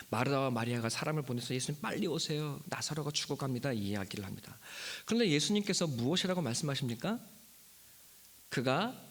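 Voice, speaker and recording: A male pastor gives a sermon in a fairly high, very animated voice. He stretches key phrases slowly, then sinks to a hushed whisper, and he acts out the story's characters for his listeners. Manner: emphatic preaching that drops to a hushed whisper for key words; retells a Bible story, acting out its figures' lines. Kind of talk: Easter sermon.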